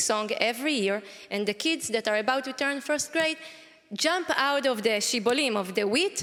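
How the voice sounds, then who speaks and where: A woman with a strong Israeli accent speaks at a moderate pace with lively intonation. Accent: heavy Israeli. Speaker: community emissary. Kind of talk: community talk. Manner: halting.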